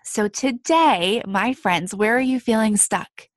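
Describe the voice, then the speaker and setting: A woman's voice: fairly high pitch, slow, no room sound. A woman life coach with a slightly nasal voice, giving an encouraging motivational talk to listeners she calls friends. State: a little nasal. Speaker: life coach and podcast host.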